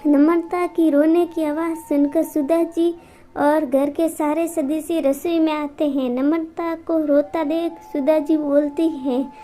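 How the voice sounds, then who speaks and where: A woman storyteller calmly narrating a family moral tale. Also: sits high, soft background music. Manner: calm, unhurried reading.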